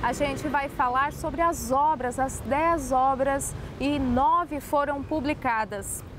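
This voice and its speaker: A woman's voice: high voice, takes it slowly, a bit bright, a little hiss or hum. A woman hosting a TV culture program, introducing a guest and asking direct questions. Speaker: TV host. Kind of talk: TV interview hosting.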